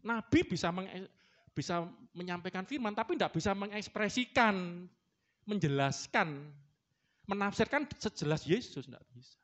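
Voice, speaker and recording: A man's voice: high voice, expressive, moderate pace, long pauses, fairly bright tone. A middle-aged man preaching a sermon in a church, joking with the congregation and imitating animal sounds. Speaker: pastor. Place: church hall.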